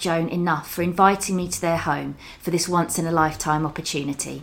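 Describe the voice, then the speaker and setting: An ordinary speaking voice from a woman, fairly low in pitch, at a fairly quick pace. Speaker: podcast host. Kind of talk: casual interview. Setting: in guest's home.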